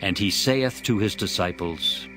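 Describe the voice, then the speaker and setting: A man's voice: low-pitched, a little slow, poor audio. A man narrating scripture from a script for a dramatized audio Bible. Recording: music behind the voice. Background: background music.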